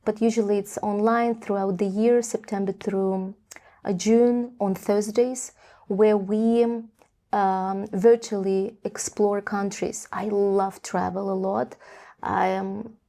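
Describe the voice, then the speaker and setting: Young woman, grew up in Latvia, gravelly, warm dark tone, hesitant with lots of ums. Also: mid-range voice, flat delivery, slow. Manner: hesitant, many ums and restarts. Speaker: theatre director and educator, interview guest. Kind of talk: casual interview talk.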